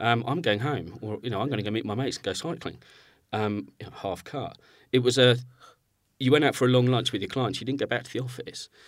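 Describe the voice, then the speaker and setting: A man with a southern English accent talks at a very fast pace yet leaves long, frequent pauses. His medium pitch has ordinary variation, on a very clean recording with a silent background. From England, Buckinghamshire. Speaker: PR agency director. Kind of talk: interview.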